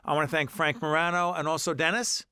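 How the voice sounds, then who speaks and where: A man's voice: on the high side, flat delivery, fast talker, pushed and bright, clear, resonant tone, dry recording. A man hosting a studio talk show, chatty and joking, congested from a cold. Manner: chatty, jokey, interrupting. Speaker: show host.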